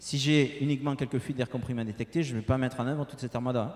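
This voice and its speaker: A man speaking at a very fast pace in a Toulouse accent. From southern France, Toulouse. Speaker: industrial equipment sales manager, conference speaker. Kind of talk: conference presentation. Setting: trade show conference room with audience. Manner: hesitant, many repetitions and fillers.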